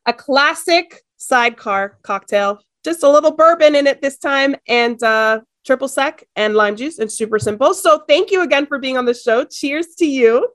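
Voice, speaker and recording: A woman's voice: high-pitched, normal speed, few pauses, a bit bright, no room sound, clean studio sound. A woman in her thirties, born in Ecuador, hosting a podcast in a chatty, bubbly way. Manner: bubbly, chatty, laughs easily. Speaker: podcast host. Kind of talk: casual chat.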